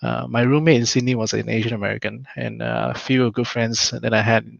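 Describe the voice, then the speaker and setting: A young man, thoughtfully sharing his experience in a casual discussion, often pausing on "uh". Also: mid-range voice, little pitch movement, vocal fry, dry recording. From Malaysia. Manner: thoughtful, frequent "uh" hesitations. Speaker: panel guest. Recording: dull lo-fi dry sound.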